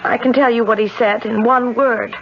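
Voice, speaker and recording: A woman's voice: fairly high pitch, steady tone, normal speed, gravelly, faint music behind. An actress playing an earnest, emotional young disabled woman with a bitter streak in a 1970s radio drama. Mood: bitter, hesitant. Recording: noisy, dull vintage radio broadcast.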